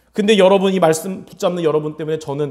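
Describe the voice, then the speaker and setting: A man talks at a fairly quick pace. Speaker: pastor. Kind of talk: sermon.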